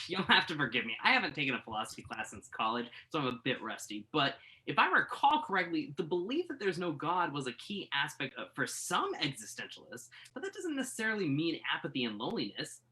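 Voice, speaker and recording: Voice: medium pitch, sing-song, fairly quick, sharp tone. An actor playing a skeptical, wry journalist in a play reading, argumentative and questioning. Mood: skeptical, curious. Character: skeptical, wry entertainment journalist debating music. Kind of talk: conversational dramatic play reading. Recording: virtual reading over internet call.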